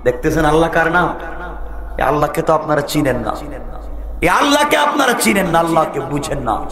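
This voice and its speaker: A man with a Bangladeshi Bengali accent preaching a waz sermon as an Islamic preacher, telling stories in colloquial speech with sudden shouted bursts. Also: a little high, animated, normal speed. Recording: echoey sermon gathering with crowd.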